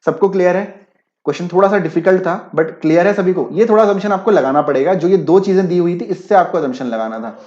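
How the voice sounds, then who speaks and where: Male teacher, live online class, mix, slightly high voice, roomy lo-fi sound. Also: fast talker, a little mellow. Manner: mixes Hindi with English, keeps checking if students follow. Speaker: online exam-prep teacher. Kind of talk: live-class explanation with chat replies. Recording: echoey, dull lo-fi sound.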